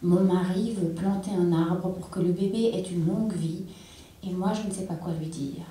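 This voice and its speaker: Woman reading low in an echoing hall. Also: steady tone, mellow, slight background noise. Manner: intense, measured dramatic reading. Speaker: reader. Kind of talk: literary reading aloud. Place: theatre stage. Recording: echoey hall, distant mic.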